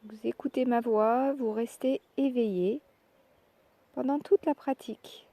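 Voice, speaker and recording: Slow, mellow woman guiding relaxation. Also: fairly high pitch, no echo. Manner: calm, measured, short phrases with pauses. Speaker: yoga nidra relaxation instructor. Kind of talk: guided meditation, soft instructional narration.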